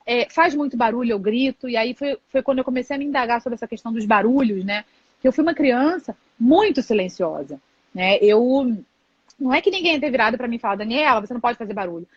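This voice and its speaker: A woman's voice: fairly high pitch, expressive, fast talker, husky, no echo. A woman, hosting a live stream and talking candidly as a mother, tucking "né" into her sentences. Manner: reflective, candid, many filler "né". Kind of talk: casual conversation on a live stream. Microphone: video call. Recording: dull, dry lo-fi live-stream audio.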